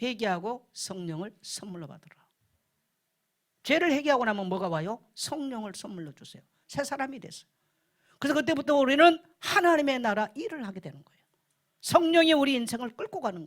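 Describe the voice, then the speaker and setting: A woman's high voice at a fairly quick pace, with very wide pitch swings and long, frequent pauses. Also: big swings in loudness. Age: 70s. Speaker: pastor. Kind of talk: sermon.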